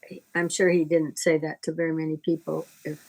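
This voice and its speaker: A middle-aged woman teaching informally in conversation, explaining things in a halting, deliberate, reflective way. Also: sits low, flat delivery, a little mellow, rough recording. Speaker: astrology teacher.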